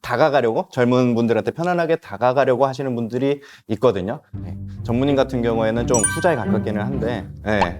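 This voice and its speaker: Music plays in the background. The speech has a fairly quick pace. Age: young. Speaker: manager at investment center, co-host. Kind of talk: talk show conversation.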